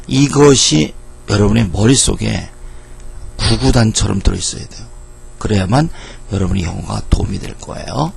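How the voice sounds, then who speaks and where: A middle-aged man teaching English grammar in a lively lecture, asking questions and answering them himself. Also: on the low side, moderate pace, gravelly, a little hiss or hum. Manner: lively, asks and answers his own questions.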